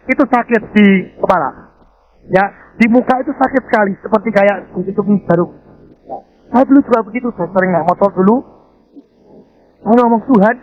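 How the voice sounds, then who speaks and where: A man with an Indonesian accent preaching a sermon as a pastor, telling stories and acting out what people said. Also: high-pitched. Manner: animated storytelling preacher, acts out quoted speech. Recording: dull lo-fi sermon audio.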